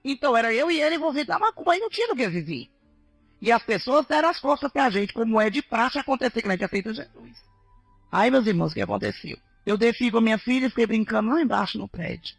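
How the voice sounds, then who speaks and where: A woman missionary telling her testimony as an animated sermon, often addressing the listeners as brothers. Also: a little high, quick pace, gravelly, dry recording, soft background music. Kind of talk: preaching testimony to a congregation.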